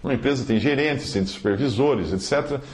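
A man's voice: medium pitch, a little fast, a little mellow. A man answering a listener's letter on a podcast, emphatic and quoting scripture with chapter references. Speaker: Bible teacher answering a listener.

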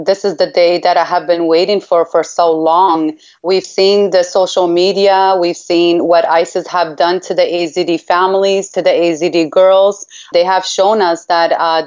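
A woman's voice: fairly low pitch, darkish tone. A woman from Iraq giving heartfelt interview answers as a campaigner, earnest and emphatic, repeating phrases for weight. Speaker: human rights campaigner, interview guest. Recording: dull, lo-fi line.

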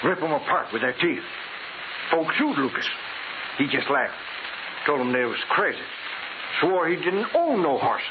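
An actor playing a folksy, plainspoken rural sheriff and farmer with rustic grammar and a drawl, in a 1940s radio drama. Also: male voice, fairly high pitch, sing-song, measured pace, pauses often, narrow, tinny audio. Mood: grave storytelling. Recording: noisy, hissy, thin 1940s radio recording.

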